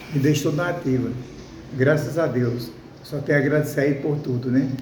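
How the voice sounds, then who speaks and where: Over noticeable background noise and audible room echo, a man with a fairly high pitch talks at a fairly quick pace with fairly even intonation. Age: 70s. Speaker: baker and bakery owner. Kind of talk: interview. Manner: halting, repeats words.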